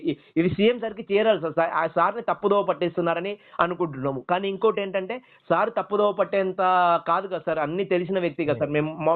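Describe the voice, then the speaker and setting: A young man with a Telangana Telugu accent pleads deferentially and insistently in a rambling phone conversation. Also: high voice. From Telangana, India. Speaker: exam aspirant calling a politician. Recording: muffled, narrow-band phone line.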